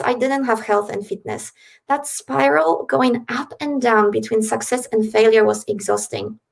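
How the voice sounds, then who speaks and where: Gravelly-voiced woman from Poland. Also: fairly high pitch. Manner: earnest, reflective. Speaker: podcast guest. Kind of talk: interview storytelling.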